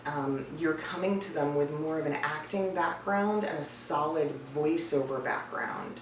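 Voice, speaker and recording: Talking straight to camera, a low-voiced woman who coaches voice-over and works in casting runs through a list of advice bluntly, emphatically, and conversationally. A cat is nearby in the indoor room, and the recording sounds roomy and distant, with some background noise.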